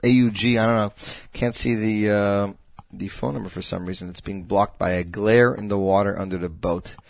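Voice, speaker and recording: In an American accent, a man with a plain, everyday voice speaks at a moderate pace and fairly low pitch. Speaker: radio music show host. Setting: studio. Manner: upbeat, hype-building announcer reading song credits with showman flourishes; peppers English with Yiddish and Hebrew words.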